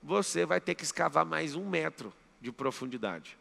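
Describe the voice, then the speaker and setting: Brazilian guy giving a seminar talk, super gravelly high voice, lots of hall echo. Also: lively intonation, normal speed, fairly bright tone. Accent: Brazilian Portuguese. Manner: emphatic, drills the audience with commands. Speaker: mentor. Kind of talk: live motivational seminar talk. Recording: long hall reverb.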